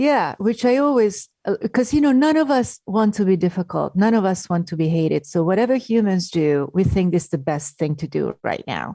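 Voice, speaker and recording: A woman with a Hungarian accent speaks at a medium pitch and a moderate pace, her pitch swinging very widely with hardly any pauses. Her tone is dark and mellow, and the recording is very clean with a silent background. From Hungary. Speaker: actress and drama therapist. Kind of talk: interview.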